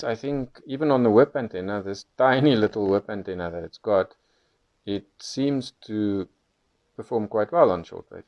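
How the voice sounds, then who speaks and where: Low-voiced man in a dull recording. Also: a little mellow. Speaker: radio hobbyist reviewer. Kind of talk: casual first-impressions review. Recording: dull lo-fi sound.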